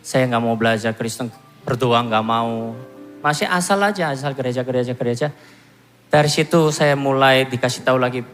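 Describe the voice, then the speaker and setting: A man in his thirties from Korea, giving a self-mocking, animated church testimony. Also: medium pitch, normal speed. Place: church hall. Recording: long hall reverb with music behind.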